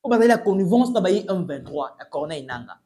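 Seated before the camera in a small, plain indoor room, this young Congolese news commentator mixes French and Lingala, gesturing as he speaks with urgency and emphasis. His high voice is warm, very animated and fast.

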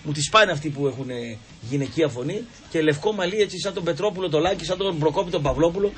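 A man's voice: a little high, faint music behind. A middle-aged man hosting a sports radio show, talking in a rambling, teasing way with lots of fillers and mocking asides. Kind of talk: casual sports radio chat.

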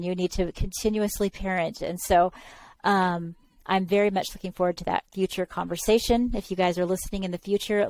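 A woman's voice: lowish voice, darkish tone, dry recording, poor audio. A woman in her forties hosting a podcast interview over a video call, speaking enthusiastically and encouragingly into a headset mic. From California. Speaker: podcast host. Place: room at home.

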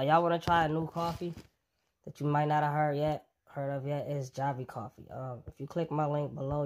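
A fitness vlogger casually pitching a coffee to his viewers, relaxed and chatty, with plenty of ums.

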